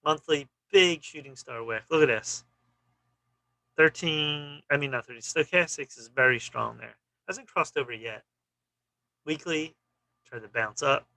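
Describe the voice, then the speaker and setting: Gravelly, bright-voiced trading vlogger. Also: male voice, a little high, measured pace, no echo, rough recording. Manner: clipped, fragmentary phrases with frequent "you know". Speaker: stock trading channel host. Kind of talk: casual chart commentary.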